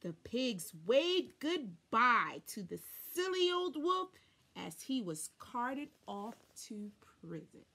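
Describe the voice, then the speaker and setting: A woman in her thirties reads a children's story aloud. Her voice is high and swings widely in pitch, and she goes very slowly, with dramatic pauses and emphasis. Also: big pitch swings, pushed and bright, slightly rough. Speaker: storybook reader. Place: small furnished room at home, indoors.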